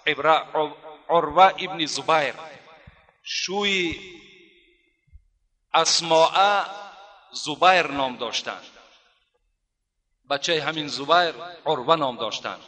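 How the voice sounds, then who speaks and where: Male preacher, fairly high voice, bright tone, long hall reverb, slow recited prayers. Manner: storytelling, slows and rises for recited prayers. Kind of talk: sermon storytelling.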